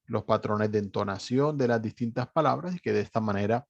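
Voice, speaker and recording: Patient teacher explaining exercises. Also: male voice, on the low side, brisk, creaky, no echo. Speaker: English teacher. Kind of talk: online class walkthrough. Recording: dry, slightly dull recording.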